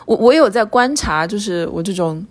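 A woman in her thirties co-hosting a relaxed podcast conversation. Her voice sits at an ordinary middle pitch, and she talks in a reflective way, thinking aloud and restarting her phrases as she goes. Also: normal speed. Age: 30s. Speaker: podcast co-host. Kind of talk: casual chat.

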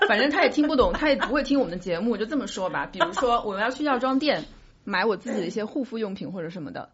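A woman's voice: on the high side, sing-song, quick pace, fairly bright tone, muffled recording, slight background noise. A woman co-hosting a podcast, chatting casually and explaining things candidly among friends. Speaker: podcast co-host.

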